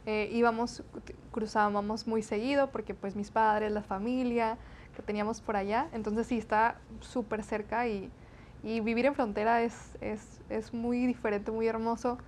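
A woman's voice: a little high, little pitch movement, moderate pace, darkish tone, a little hiss or hum. A woman in her twenties from the Texas–Mexico border, talking in an interview and filling her answers with eh and repeated "sí, sí, sí". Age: 20s. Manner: chatty, many fillers and repeated "sí, sí, sí". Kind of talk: interview conversation.

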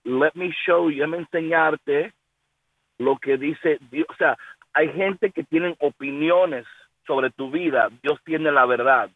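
A man's voice: on the high side, slow, phone-quality sound. A man from the United States, a pastor, talking earnestly in a faith interview and dropping English words into his speech. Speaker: pastor and guest.

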